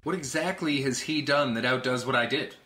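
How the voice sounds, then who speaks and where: A man voicing a cocky, childish, excitable male space adventurer in a cartoon table read, brash and sarcastic. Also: mid-range voice, a little fast, lightly acted. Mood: jealous.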